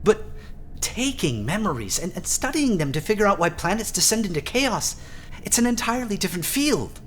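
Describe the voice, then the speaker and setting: A woman playing a loyal, excitable but pragmatic scientist's assistant in an audio drama. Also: medium pitch, a little fast, slight background noise, lightly acted. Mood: pleading, persuasive. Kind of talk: audio fiction drama acting.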